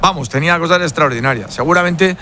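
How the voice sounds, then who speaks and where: A man's voice: on the high side, fast talker, over loud music. Rambling ex-player co-commentator, man. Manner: rambling, searches for names. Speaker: co-commentator, former footballer. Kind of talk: casual football analysis.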